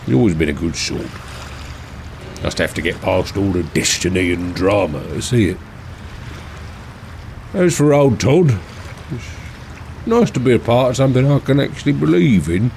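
A simple, kindly working man in an audio drama. He rambles in homespun phrases, his pitch swinging up and down as he muses. A faint watery ambience sits behind the voice. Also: expressive, normal speed, creaky, long pauses, a little mellow, slight background noise. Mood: wistful, content. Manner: colloquial, rambling, homespun speech. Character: folksy working-class handyman Todd, good-natured, musing, uneasy.

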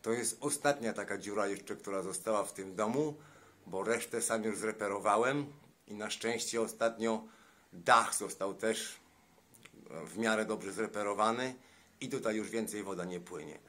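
Brief: a lower-pitched man vlogging through a house, dryly exasperated about botched repairs, recorded on a handheld phone. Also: normal speed, a bit bright. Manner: exasperated, sarcastic complaining. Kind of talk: narrated house walkthrough. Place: indoors, rooms of a house.

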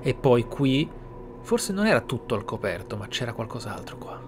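A man from Italy reading and commenting on a video game in a measured, musing way. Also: mid-range voice, sing-song, background noise. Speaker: gameplay streamer. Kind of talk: reading game texts aloud and roleplay commentary.

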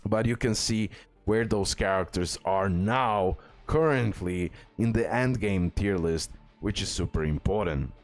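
Low-voiced man doing game commentary over music. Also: unhurried. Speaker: gaming video host. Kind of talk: casual game guide commentary. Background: background music.

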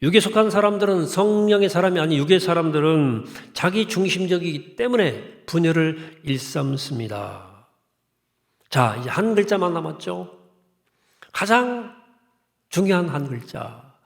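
A man's voice: on the high side, expressive, normal speed, creaky. A middle-aged male pastor giving a sermon in a conversational way, asking the congregation questions and reading scripture in a formal cadence. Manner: conversational preaching with rhetorical questions.

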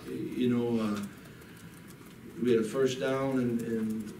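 A middle-aged man, a head coach at a postgame press conference, talking haltingly with many restarts into a desk mic. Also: mid-range voice, steady tone, vocal fry, warm tone. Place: press room in front of a backdrop. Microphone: table mic on a desk. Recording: echoey room, mic a bit far, audible noise.

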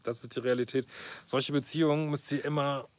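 A man's voice: mid-range voice, steady tone, a little fast. A middle-aged man, a couples therapist, reading out a viewer's letter and commenting on it bluntly and sarcastically. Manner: blunt, sarcastic, frequent "ne?" tags and fillers. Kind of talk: casual reaction vlog, reading out and commenting.

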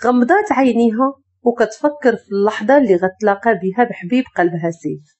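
A woman with a Moroccan accent narrating a dramatic story in an expressive, scripted storytelling manner. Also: fairly high pitch, fast.

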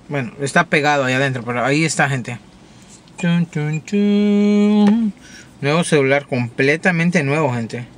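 Rambling, bright-voiced man, casual car vlog, faint engine hum. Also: a little high. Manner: chatty, rambling, many fillers and restarts. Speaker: vlogger. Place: in a car, driving.

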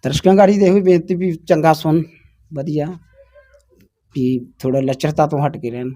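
Soft-spoken high-voiced man. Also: fairly even intonation, moderate pace. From Punjab, India. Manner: humble, soft-spoken, agrees often with "haanji". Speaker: folk singer being interviewed. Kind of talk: casual interview answers.

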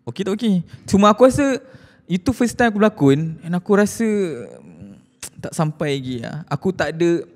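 Young man, slangy casual chat, slightly high voice, long reverb. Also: lively intonation, a little fast. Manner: laid-back, slangy, candid. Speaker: podcast co-host.

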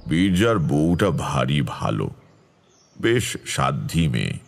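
An actor playing a brooding tantric storyteller, narrating an eerie village tale in a measured, dramatic way. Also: male voice, rumbling low, big pitch swings, vocal fry, full character voice. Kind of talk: dramatic first-person horror narration.

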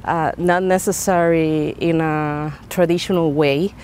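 A woman in her thirties from Puerto Rico, with a Puerto Rican Spanish accent and a fairly low voice. She talks with lively warmth in slightly broken English. She is recorded outdoors on a lapel mic, with faint ambient noise behind her. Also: unhurried. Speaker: artist. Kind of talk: interview. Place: outdoors by a painted building.

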